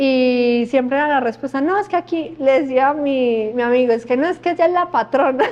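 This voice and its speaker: A woman with a paisa accent speaks at a high pitch with ordinary pitch variation. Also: moderate pace. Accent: paisa Colombian, marked. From Colombia, Medellín (paisa). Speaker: journalist and migrant. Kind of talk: interview. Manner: quiet, reserved.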